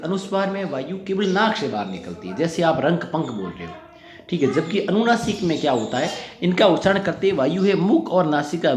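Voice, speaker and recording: A man's voice: mid-range voice, a little mellow. A man teaching a grammar lesson, asking his students questions and answering them himself, often repeating points. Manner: asks and answers his own questions, repetitive. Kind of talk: Hindi grammar lecture. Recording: echoey room, faint noise.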